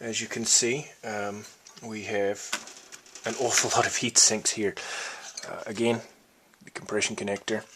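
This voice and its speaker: This is a man speaking. His pitch is fairly low. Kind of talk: technical walkthrough of computer hardware. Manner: soft-spoken, slow, hesitant.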